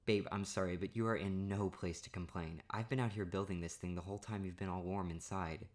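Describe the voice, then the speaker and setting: A young man in an ASMR boyfriend roleplay, talking playfully and teasingly, laughing often and sometimes dropping to a hush. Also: deep voice, fairly even intonation, fairly quick. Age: young adult.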